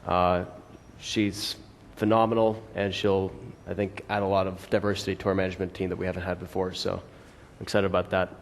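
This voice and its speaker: A young man speaking earnestly as a panelist, pausing with fillers. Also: low voice, level tone, a little hiss or hum. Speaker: panelist, company founder. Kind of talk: conference panel remarks. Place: large conference hall stage. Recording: long hall reverb.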